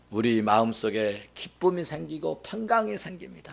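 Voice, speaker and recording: Speaking at a fairly slow pace, a man with a medium pitch sounds animated, his pitch swinging very widely. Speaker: pastor. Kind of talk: sermon.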